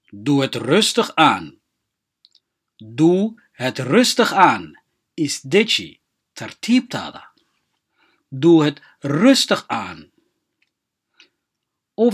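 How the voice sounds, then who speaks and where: A language teacher hosting a lesson, giving quick explanations and then repeating short example phrases slowly. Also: mid-range voice, slightly rough. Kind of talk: radio-style language lesson.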